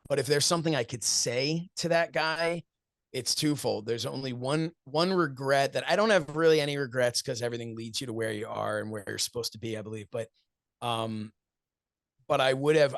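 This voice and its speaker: A man in his forties with a gravelly, textured voice answers interview questions earnestly and reflectively. He tells stories, acts out what friends once said to him, and laughs often, recorded close and dry with no room sound. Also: mid-range voice, a bit bright, no room sound. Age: 40s. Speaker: wrestling commentator and show host, interview guest.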